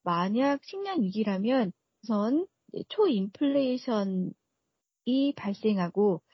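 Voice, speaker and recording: A woman's voice: medium pitch, sing-song, slow pace, slightly rough, no room sound, muffled recording. A woman speaking as an expert radio guest, giving prepared analysis in a formal, explanatory way. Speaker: research fellow, expert guest.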